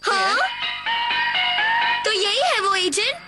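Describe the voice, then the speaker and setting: A woman's voice: very high-pitched, takes it slowly, heavily acted. A woman voicing a curious, suspicious little stone age boy in a Hindi cartoon dub, childlike and questioning. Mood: puzzled. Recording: loud music behind the voice.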